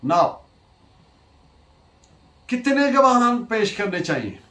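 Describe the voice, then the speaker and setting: Slow, high-voiced Pakistani man lecturing. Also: very animated, a bit bright. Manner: deliberate, didactic, repeats key phrases. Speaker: law lecturer. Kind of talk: lecture on legal principles, mixing Urdu and English. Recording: echoey, roomy sound.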